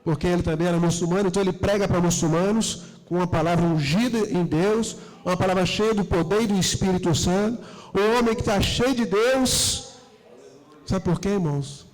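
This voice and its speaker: High-voiced Brazilian pastor preaching in a hall. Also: male voice, a little fast, darkish tone. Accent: Brazilian Portuguese. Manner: fervent preaching, storytelling with repeated address to the congregation. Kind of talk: sermon. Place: church hall. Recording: long church hall reverb.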